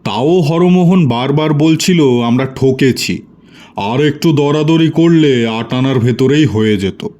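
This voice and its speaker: A man's voice: mid-range voice, takes it slowly, dark tone, natural voice. A man voicing a genial, boastful village-born storyteller who reminisces proudly and chattily in an audio storybook. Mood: nostalgic, chatty.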